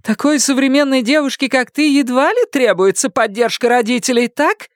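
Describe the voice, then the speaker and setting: A man voicing a furious, sarcastic middle-aged mother who screeches and yells. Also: very high-pitched, animated, normal speed, dry recording, studio quality, voice pushed up. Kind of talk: audiobook character reading.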